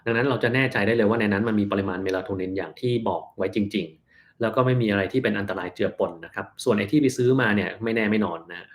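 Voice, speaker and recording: Low-voiced man answering health questions. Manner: relaxed, plain-spoken, slows down to explain terms. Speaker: doctor answering viewer questions. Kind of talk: live-stream Q&A, reading and answering questions.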